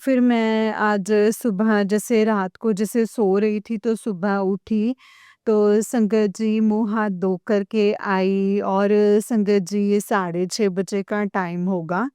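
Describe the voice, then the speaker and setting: A woman's voice: mid-range voice, fairly even intonation, slow pace, warm tone, smooth, dry recording, studio quality. A woman tearfully sharing a devotional testimony, emotionally addressing the congregation again and again. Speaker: devotee sharing her experience.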